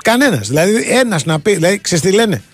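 A man's voice: sits high, big pitch swings, breathy edge, soft background music. A man co-hosting a sports radio show, arguing his points emphatically and repeating them for weight. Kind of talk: casual radio sports chat. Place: radio studio.

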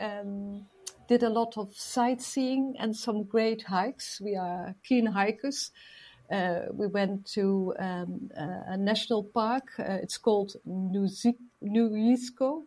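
A woman from the Netherlands speaking as an interview guest, polite and hesitant with many pauses. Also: medium pitch, dark tone. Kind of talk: interview answers.

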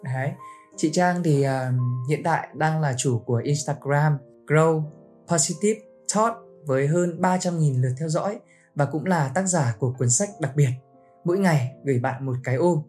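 A woman hosting a casual podcast, telling a story about a friend with lively quoted lines. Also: deep voice, moderate pace, faint music behind. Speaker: podcast host.

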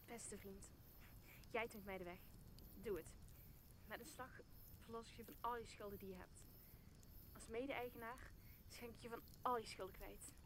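A woman's voice: a little high, steady tone, moderate pace, pauses often, background noise, close to an everyday voice. A young woman playing a sceptical but corruptible heir in an audio drama, with a dry, questioning delivery. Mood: resolved. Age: young adult. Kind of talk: Shakespearean audio drama dialogue.

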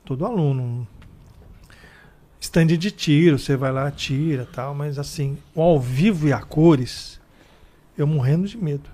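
High-voiced man telling lively stories. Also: measured pace. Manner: acts out other people's voices with big pitch jumps. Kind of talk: casual storytelling chat.

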